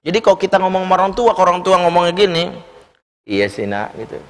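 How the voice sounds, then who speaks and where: This man speaks very fast in a high voice, preaching a story-driven sermon inside a large, reverberant mosque hall. He narrates with liveliness and acts out the voices of the people he quotes.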